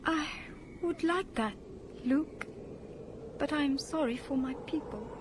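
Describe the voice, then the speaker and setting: Earnest, very high-voiced tribal mystic. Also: female voice, slow, noisy background. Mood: awed, sorrowful. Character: earnest young tribal woman with untrained mystic powers. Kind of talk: audio drama acting. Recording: music behind the voice.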